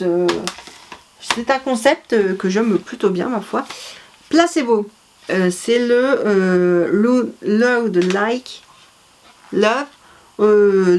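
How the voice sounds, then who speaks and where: A woman's voice: mid-range voice, slow pace, a little mellow, a little hiss or hum. A woman vlogger, chatting casually and rambling with many fillers and self-corrections. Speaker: vlogger presenting her CD collection. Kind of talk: casual chat.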